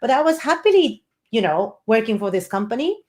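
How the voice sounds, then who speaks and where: A woman's voice: fairly high pitch, big pitch swings, fairly quick, darkish tone. A woman in her forties whose first language is Japanese, chatting as a guest in an interview, with many fillers and frequent laughs. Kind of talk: casual interview conversation.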